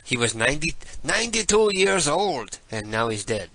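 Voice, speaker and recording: A man's voice: fairly high pitch, big pitch swings, normal speed, over loud music. A man hosting a prank call radio show, chatting in an offhand, casual way.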